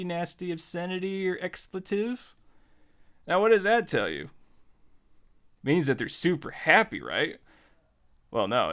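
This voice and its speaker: A man's voice: medium pitch, fairly bright tone, smooth. An American man giving a casual tutorial, speaking in a jokey, conversational way straight to the listener. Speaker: host of a writing tutorial series.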